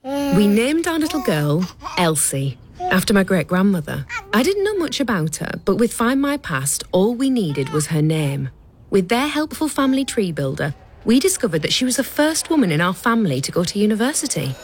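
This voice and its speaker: A woman's voice: medium pitch, sing-song, normal speed, a little hiss or hum, lightly acted. An actress playing a mother who speaks tenderly and proudly about her daughter in an ad testimonial. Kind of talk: scripted ad testimonial.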